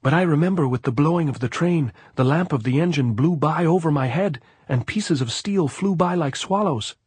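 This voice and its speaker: A man voicing a nervous, excitable gypsy guerrilla who chatters in old-fashioned phrasing in an audiobook. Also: fairly high pitch, moderate pace, slightly rough, no echo, voice pushed up. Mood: anxious. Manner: excitable, raised voice, archaic phrasing.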